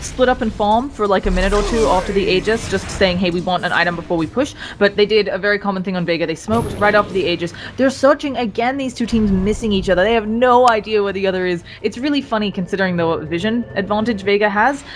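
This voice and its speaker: A woman's voice: medium pitch, quick pace, hardly any pauses. A woman giving live esports commentary and analysis in a conversational, analytical way. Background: game music.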